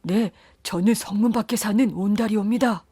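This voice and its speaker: A woman's voice: medium pitch, animated, normal speed, gravelly, darkish tone, husky, no room sound, studio quality. A woman voicing a brave young male general in a folktale, speaking earnestly and formally. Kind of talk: storybook narration.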